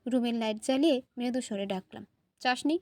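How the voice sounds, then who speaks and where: High-voiced woman storyteller. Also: normal speed, a little mellow. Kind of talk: first-person story narration.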